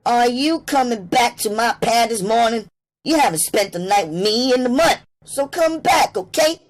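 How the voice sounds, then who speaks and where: A man voicing a young, angry and defiant woman prostitute in a falsetto. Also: expressive, normal speed. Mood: pleading.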